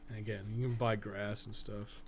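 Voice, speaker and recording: A man's voice: on the low side, little pitch movement, normal speed. Sweary man chatting over gameplay, noisy recording. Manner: sweary, jokey, rambling. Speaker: podcast co-host streaming a video game. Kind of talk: casual gameplay commentary and chat. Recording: clearly noisy background.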